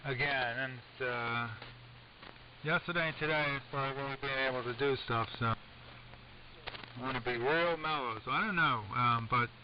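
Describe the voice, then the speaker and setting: An American man, middle-aged or older, chatting casually and haltingly as an amateur radio operator over an AM shortwave link. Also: mid-range voice, muffled recording. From United States. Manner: rambling, halting. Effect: AM shortwave radio transmission. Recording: noisy, band-limited AM shortwave radio. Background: steady radio noise.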